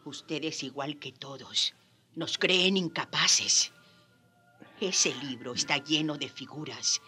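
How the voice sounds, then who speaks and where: An actress playing a dignified, grieving old indigenous woman in a radio drama, speaking solemnly and forcefully. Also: sits low, takes it slowly, soft background music, exaggerated voice. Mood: wounded dignity. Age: older. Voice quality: hoarse when reading forcefully.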